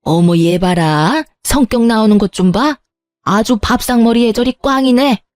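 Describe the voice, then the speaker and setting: A woman reading as a sharp-tongued middle-aged mother-in-law, nagging and sarcastic. Her voice is dark and mellow, set in a dry, close recording with faint music underneath. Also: fairly high pitch, moderate pace, dry recording, natural voice. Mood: scornful. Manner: scolding, sighing, sarcastic.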